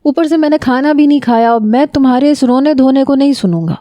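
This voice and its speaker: A woman's voice: high-pitched, mellow, no room sound, voice pushed up, lightly acted. A woman voicing an irritable, tired young husband who scolds his wife in short, curt lines. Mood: irritated.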